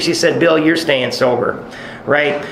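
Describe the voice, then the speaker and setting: Audible room echo and noticeable background noise around a man's voice. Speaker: AA study leader. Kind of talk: teaching a study session. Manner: fast; halting, repeats words.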